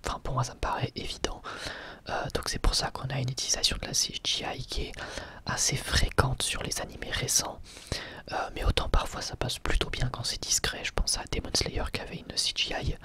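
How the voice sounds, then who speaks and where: A young man speaks in a breathy whisper close to the microphone, giving casual, unscripted ASMR commentary with hesitant pauses. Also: mid-range voice, fairly bright tone.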